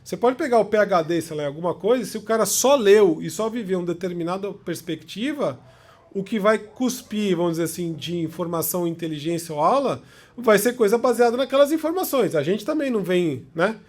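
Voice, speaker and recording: High-voiced Brazilian man explaining. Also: animated, brisk, darkish tone. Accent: Brazilian Portuguese. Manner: conversational, checks in with short tag questions. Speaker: lecturer. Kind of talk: informal explanatory talk.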